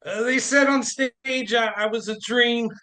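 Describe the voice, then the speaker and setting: A man's voice: very high voice, fairly even intonation, measured pace, pushed and bright, heavily acted. An actor playing a volatile, self-pitying jilted man in a comic radio play, agitated and stammering. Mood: sheepish. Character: volatile, desperate jilted man, ex-chorus performer turned hostage-taker.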